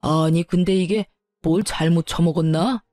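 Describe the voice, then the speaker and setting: A woman voicing a stern, old-fashioned older father-in-law who scolds gruffly in a slow, lowered voice in a storytelling video. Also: steady tone, mellow, dry recording, studio quality, faint music behind, lightly acted. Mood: scolding.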